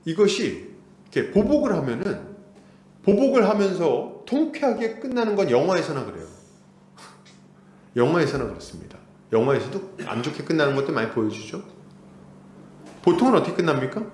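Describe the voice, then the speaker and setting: A man's voice: fairly high pitch, a little mellow. A male pastor preaching an expository sermon, asking the congregation rhetorical questions and acting out quarrels in quoted voices. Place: church sanctuary. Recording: echoey church hall.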